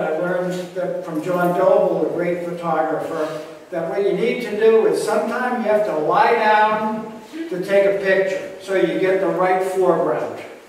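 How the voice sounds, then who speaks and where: Strong room echo and light background noise surround a man with a high pitch and fairly even intonation. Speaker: guest. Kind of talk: lecture. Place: hall. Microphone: camera far.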